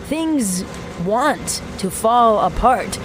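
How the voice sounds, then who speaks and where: A woman's voice: fairly high pitch, expressive, extremely slow, noisy background. An actress playing a brash, self-assured young woman mechanic in a sci-fi audio drama, talking wryly into a recording as if interviewing herself. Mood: confident, wry. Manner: wry, self-interviewing, casually sweary.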